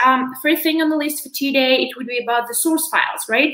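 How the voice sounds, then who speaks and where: A woman's high-pitched voice with lively intonation and audible room echo. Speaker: localization specialist. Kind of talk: webinar presentation with slides. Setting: video call. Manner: friendly, conversational, hesitant with fillers.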